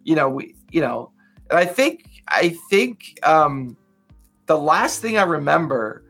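A man's voice: fairly high pitch, very animated, takes it slowly, fairly bright tone, breathy edge, soft background music. A man in his fifties co-hosting a podcast, chatting casually and reflectively with lots of fillers. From Southern California. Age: 50s. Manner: rambling, reflective, many fillers. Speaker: podcast co-host. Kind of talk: casual chat.

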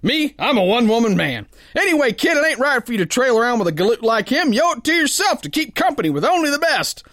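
A cocky sailor and prizefighter played by a man in a pulp radio drama. His high-pitched voice swings widely up and down as he boasts in folksy slang, dim but good-hearted. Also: sing-song, fast, fairly bright tone, no echo, studio quality, exaggerated voice. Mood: cocky bragging. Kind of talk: first-person pulp radio drama narration and dialogue.

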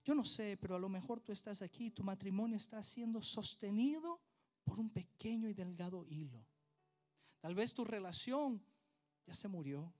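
A male pastor delivers a sermon straight to his congregation. He hammers his points home by repeating phrases, and his pitch runs high. Faint music plays softly under his voice. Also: lively intonation, normal speed. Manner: emphatic preaching, direct address, repeated phrases. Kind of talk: sermon with prayer.

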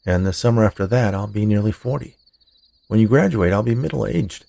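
A man playing a gentle, low-voiced young lover. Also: animated, brisk, gravelly. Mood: resigned. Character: gentle, self-sacrificing fast-aging young man in love. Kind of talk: storybook character dialogue in narration.

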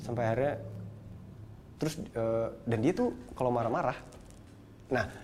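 A man's voice: medium pitch, darkish tone, slight background noise. A young man, telling a personal story in slangy casual talk. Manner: slangy Jakarta street talk, quick and storytelling. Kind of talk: casual chat.

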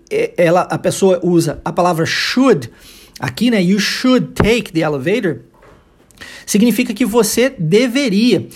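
A high-voiced man with a Brazilian Portuguese accent teaches English, explaining things patiently. He models phrases slowly so his students can repeat after him.

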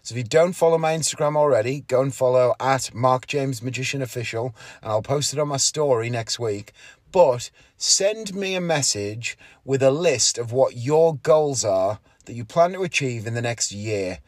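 With a mid-range voice at normal speed, a magician in his thirties hosts his solo podcast from inside a parked car, casual, candid and rambling, often correcting himself. The recording is dry and studio quality.

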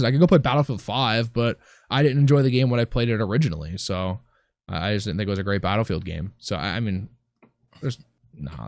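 A man's voice: mid-range voice, a little mellow, no room sound, clean studio sound. A man co-hosting a casual gaming chat, rambling and grumbling with plenty of swearing. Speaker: podcast co-host.

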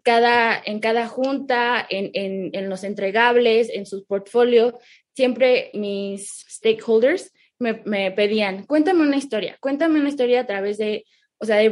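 Woman chatting as an interview guest. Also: fairly high pitch. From grew up in McAllen, Texas, United States, with Mexican parents. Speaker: interview guest, online English teacher. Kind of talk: casual conversational interview.

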